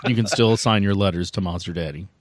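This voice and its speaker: A man's voice: deep voice, fast, no room sound, studio quality. A man hosting as game master, chatting casually and joking playfully. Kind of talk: casual podcast banter and game narration.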